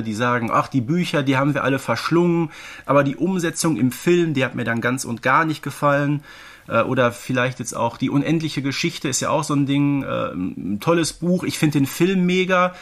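A man's voice: medium pitch, a bit bright. A middle-aged man co-hosting a podcast, discussing audio dramas casually in an explanatory way with tag questions and asides. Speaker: podcast co-host.

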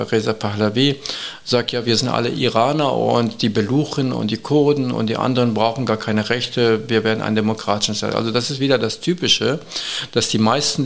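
A man answering interview questions as an expert guest, earnest and urgent, with measured phrasing and frequent hesitations. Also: mid-range voice, gravelly, a bit bright.

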